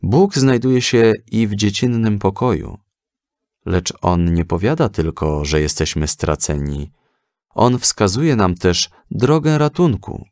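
A man narrating a scripted children's story as an expressive storyteller. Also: on the low side, slow, no echo, studio quality.

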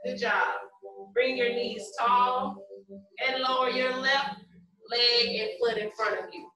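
A woman leading a guided yoga class as instructor, giving short, measured step-by-step cues and counts. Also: on the high side, little pitch movement. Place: large empty carpeted office room, indoors. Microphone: far camera across the room. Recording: echoey room, distant microphone, faint music.

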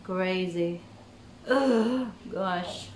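A woman's voice: lowish voice, extremely slow, loud music behind the voice. A young woman hosting a reaction video at home, exclaiming and laughing often as she comments. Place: small room at home, indoors. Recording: roomy echoey home room.

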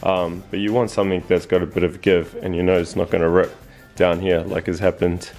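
A relaxed man in his thirties reviews clothes in a chatty, easygoing way, trailing into ums and uhs. His voice sits on the low side, and the living room around him rings with echo. Faint music plays under him. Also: a little fast. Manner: chatty, relaxed, many fillers. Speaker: vlogger. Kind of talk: casual product review. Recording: echoey room.

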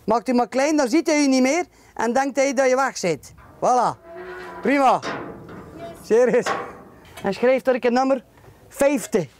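With music in the background, a middle-aged Flemish-accented man speaks in a very high voice at a measured pace, pausing often. He's an ostrich farmer giving a chatty tour of his farm sheds and outdoor pens, tacking "hè" and "voilà" onto many sentences.

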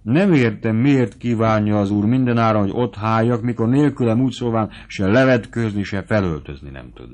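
A man's voice: lowish voice, expressive, few pauses, darkish tone, lightly acted. A man voicing a timid, servile middle-aged valet who talks in a hesitant, evasive way. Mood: fretful.

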